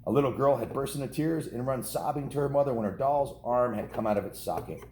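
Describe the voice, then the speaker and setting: A man's voice: mid-range voice, fast talker, warm tone. A man in his fifties with an American accent reads aloud to children, storytelling in a folksy, informal way with casual asides and small self-corrections. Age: 50s. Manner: folksy, informal, often repeats and corrects himself. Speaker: storyteller reading a children's book to kids. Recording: roomy echo with faint background noise.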